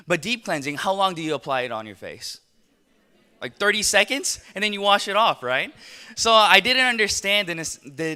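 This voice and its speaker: A man in his thirties from Los Angeles, giving an animated, story-driven talk to a live audience, with frequent laughs and rhetorical questions. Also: on the high side, clear, resonant tone. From USA (Los Angeles). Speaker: motivational speaker.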